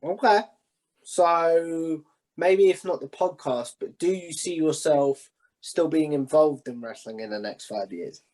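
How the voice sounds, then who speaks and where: A man's voice: a little high, a little slow, darkish tone, rough recording. A man hosting a casual interview in an informal, conversational way. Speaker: interview host.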